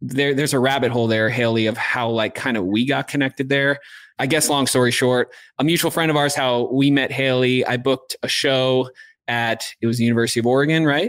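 Speaking fairly quickly in a normal speaking voice, a man holds a medium pitch, fairly even intonation and very even loudness. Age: 30s. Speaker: musician and songwriter. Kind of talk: casual chat. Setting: video call.

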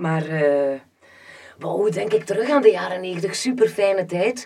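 Lively intonation runs through this dark, mellow tone. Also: woman. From Flanders, Eeklo (East Flanders). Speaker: radio and TV presenter, singer. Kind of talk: casual interview chat. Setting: studio.

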